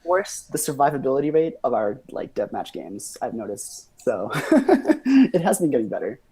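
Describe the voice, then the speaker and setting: A man on a developer live stream, speaking wryly with short quips that trail off quietly. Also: medium pitch, expressive, moderate pace. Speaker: game developer. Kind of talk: casual live-stream chat.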